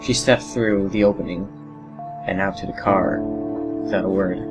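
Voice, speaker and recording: A man narrating a horror story in a dramatic scripted style, brooding and full of pauses. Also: deep voice, fairly even intonation. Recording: loud music bed under voice. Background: loud music.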